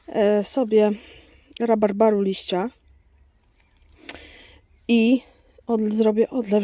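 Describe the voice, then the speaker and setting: Slow, mellow-voiced woman on a farm. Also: fairly high pitch. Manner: chatty, talks to her goats and viewers. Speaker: vlogger on a small farm. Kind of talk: casual vlog chat. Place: outdoors on a farm with goats.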